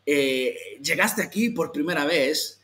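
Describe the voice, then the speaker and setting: A man from Italy with an Italian accent, a language teacher giving an online lesson and sounding out slow model phrases to repeat. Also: on the high side, lively intonation, fairly bright tone.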